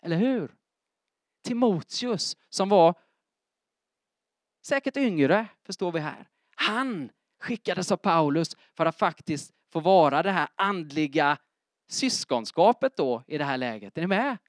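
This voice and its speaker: High-voiced man preaching a lively sermon. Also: dry recording, clean studio sound. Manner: keeps checking in with the congregation with questions. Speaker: pastor. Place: church in front of a congregation.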